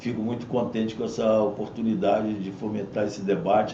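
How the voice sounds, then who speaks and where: Noticeable background noise and audible room echo accompany a man with a fairly low pitch talking at a moderate pace. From Rio de Janeiro, Brazil. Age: 60s. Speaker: physician and mayoral candidate. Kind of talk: interview. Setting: studio.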